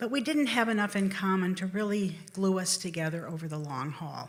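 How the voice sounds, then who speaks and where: An ordinary speaking voice from a woman, medium in pitch, with lively intonation at a moderate pace. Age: 60s. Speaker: storyteller. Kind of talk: personal storytelling.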